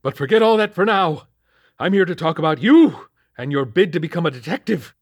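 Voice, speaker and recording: A man voicing a paranoid, half-mad older police captain who shouts and cackles. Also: a little high, sing-song, a little fast, dry recording, studio quality, pitched above the performer's own voice. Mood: agitated. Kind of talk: audiobook character voice.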